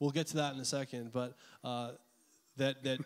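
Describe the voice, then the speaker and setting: With a Canadian accent, a man speaks in a monotone, flat intonation. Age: young. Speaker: church leader or pastor. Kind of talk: interview host. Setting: church with congregation.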